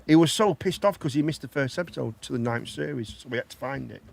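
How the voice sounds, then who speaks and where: A man's voice: medium pitch, fast talker, gravelly. A man with a Black Country accent hosting a casual live chat show, effusive and repeating himself for emphasis. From Dudley, England. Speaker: host of a live talk show.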